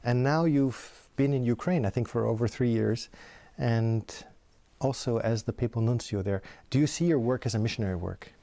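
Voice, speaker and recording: A man's voice: medium pitch, moderate pace, vocal fry, warm tone, dry recording. A man hosting an interview, asking earnest questions and prompting his guest. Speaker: interviewer, host.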